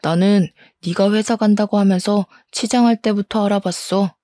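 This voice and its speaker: A woman's voice: medium pitch, fairly even intonation, normal speed, dark tone, dry recording, clean studio sound, lightly acted. A woman voicing an angry cheating husband who blusters, scoffs and shifts the blame. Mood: defensive. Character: angry, defensive cheating husband in his thirties. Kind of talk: audio story dramatization.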